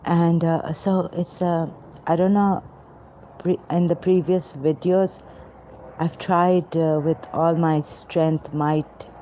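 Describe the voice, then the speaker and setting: A woman talking to camera in a rambling personal monologue, halting often with pauses and fillers. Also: on the low side, level tone, warm tone. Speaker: vlogger. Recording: dull lo-fi recording with faint noise.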